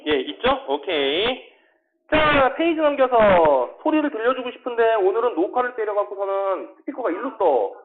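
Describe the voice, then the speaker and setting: Male English tutor, high animated voice, drills words and asks quick checks, tinny phone-like classroom recording. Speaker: English academy teacher. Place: small classroom.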